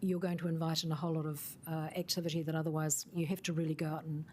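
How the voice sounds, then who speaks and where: Measured woman answering council questions. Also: low voice, level tone, mellow, a little hiss or hum. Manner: measured, thoughtful, with fillers. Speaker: council officer briefing councillors.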